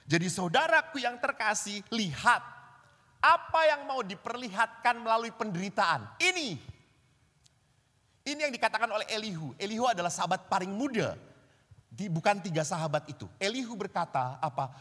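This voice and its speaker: Brief: Javanese-accented male priest, fairly high voice, preaching from a reverberant hall. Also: normal speed. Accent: Indonesian, Javanese. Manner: animated storyteller acting out voices. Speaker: Catholic priest. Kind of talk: sermon with storytelling.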